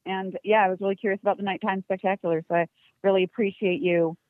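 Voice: mid-range voice, little pitch movement, fast. A caller in their twenties chats with a show over the phone. They sound friendly and a little hesitant, in a mid-range voice. The line is thin and tinny, with no room echo. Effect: heard over the phone. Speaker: caller to a fan call-in show. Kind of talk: casual chat.

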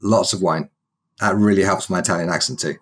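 A man's voice: low-pitched, steady tone, fairly quick, a bit bright. A man, hosting a podcast in a chatty, humorous storytelling way. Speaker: podcast host. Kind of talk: casual podcast interview.

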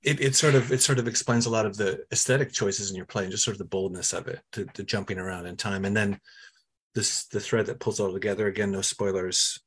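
A male interviewer asking a long question in a halting way, restarting and searching for words. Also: on the low side, steady tone, fairly bright tone, a little hiss or hum.

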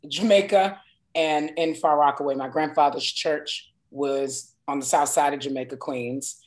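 Low-voiced woman telling lively stories. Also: a little slow. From New York. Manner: warm, expressive storyteller with emphatic asides. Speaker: guest singer. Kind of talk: casual interview chat.

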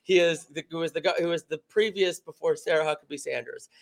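Young man, co-host, casual political chat, higher-pitched voice, chatty, quick agreements, recorded in a bar. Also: gravelly.

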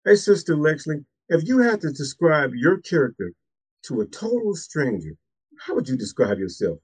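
A man's voice: on the high side, sing-song, moderate pace, slightly rough, no echo. A man, a minister, hosting a casual faith interview, repeating amens and talking with a preacher's cadence.

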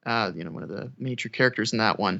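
A man's voice: on the low side, quick pace, vocal fry, pushed and bright, lo-fi sound. A man who narrates audiobooks, talking casually as a guest in an interview.

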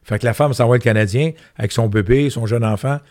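An older man speaks with a Québécois French accent, his voice sitting in an ordinary middle register. He tells anecdotes in an animated way and hammers points home by repeating them. The sound is close and dry, with no room around him. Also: mid-range voice, quick pace, no echo. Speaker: guest. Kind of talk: candid interview talk.

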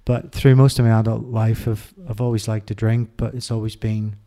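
A middle-aged man with an Irish accent, talking candidly as an interview guest, reflective and halting with many restarts. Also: fairly low pitch, little pitch movement, warm tone.

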